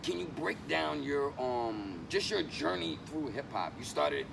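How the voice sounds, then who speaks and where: Gravelly, lively, fast New host, profane; street noise. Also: male voice, fairly high pitch. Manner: profane, hyped, quick interjections. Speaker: podcast host. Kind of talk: casual street interview. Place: outdoors on a city street.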